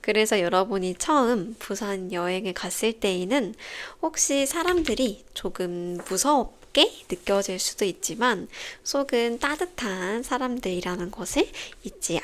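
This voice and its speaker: A young woman hosting a podcast for language learners, explaining in a calm, clear, carefully paced scripted way. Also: mid-range voice. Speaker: Korean teacher podcast host.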